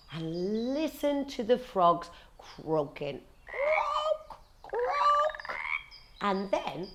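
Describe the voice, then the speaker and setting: A woman narrating a fairy tale for children in a dramatic, deliberate, expressive way. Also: medium pitch, a little hiss or hum. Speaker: children's storyteller. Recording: echoey room.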